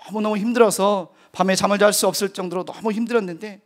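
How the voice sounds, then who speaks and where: A man's voice: sits high, steady tone, quick pace. A middle-aged man, a missionary, giving a sermon testimony with earnest, vivid storytelling. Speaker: missionary preacher.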